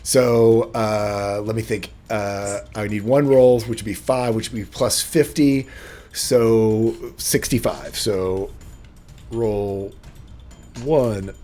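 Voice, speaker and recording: A man's voice: lowish voice, steady tone, takes it slowly, warm tone. A man acting as game master, chatting casually at a tabletop role-playing session.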